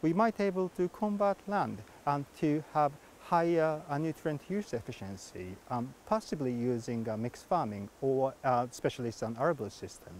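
A man's voice: mid-range voice, expressive, normal speed, hardly any pauses, darkish tone, a little hiss or hum. A man, a research scientist, explaining his work outdoors in a field in a hesitant way with many fillers. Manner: hesitant, many fillers, non-native phrasing. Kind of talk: on-camera interview. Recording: faint music underneath.

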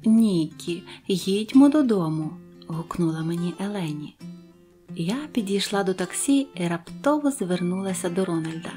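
A woman narrating a Christmas fairy tale in the first person, gentle and expressive. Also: fairly low pitch, moderate pace, soft background music. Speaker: audiobook narrator. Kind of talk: storytelling narration.

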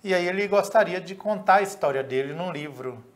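A man telling stories in a casual, lively way, often laughing and acting out the dialogue. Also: high voice, brisk. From Minas Gerais, Brazil. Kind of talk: casual anecdotal storytelling.

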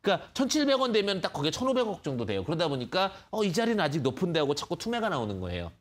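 Guy stock expert on a call-in show, talks quick, voice bounces around a lot, keeps saying so-like fillers. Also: fairly high pitch, huge pitch swings. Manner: explains patiently to callers, many fillers. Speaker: stock market expert host. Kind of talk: live phone-in stock advice.

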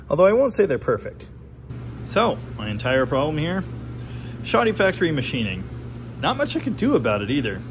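A man talks through an engine build in a cluttered home garage, his pitch rising and falling in a lively, wry way. The room is noisy, with a steady hum of background sound under his voice, picked up by the camera's microphone. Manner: animated, wry, talks with his hands while showing parts. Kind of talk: casual explanatory workshop commentary.

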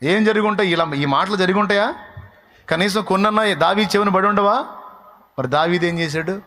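Here the preacher's tone is sharp and his pace fairly quick. Mimicking mocking onlookers through varied pitch and volume, the pastor drives his sermon toward emphatic questions he doesn't expect answered.

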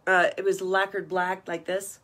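A woman's voice: fairly low pitch, little pitch movement, moderate pace, fairly bright tone. A woman hosting a live online jewelry party, chatting and gushing over each piece as she shows it. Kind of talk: live-stream sales chat.

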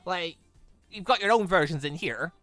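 A man hosting a gaming channel, talking in a rambling, excited way with lots of fillers. His voice is bright and clear, recorded dry and close on a desk mic. Faint music sits underneath. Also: high-pitched, normal speed, no room sound. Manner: rambling and enthusiastic, many fillers. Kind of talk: casual let's-play wrap-up talk.

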